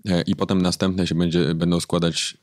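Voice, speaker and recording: A man, a book editor, explaining his craft thoughtfully in an interview, pausing often with fillers. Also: sits low, level tone, no room sound, clean studio sound. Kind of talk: interview conversation.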